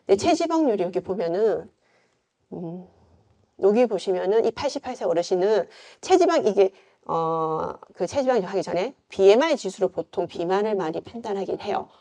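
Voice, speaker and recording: A woman's voice: medium pitch, animated, normal speed, warm tone. A middle-aged woman with a Gyeongsang accent, giving an informal lecture as a yoga instructor, chatty and full of rhetorical questions. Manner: chatty, conversational, frequent fillers and rhetorical questions.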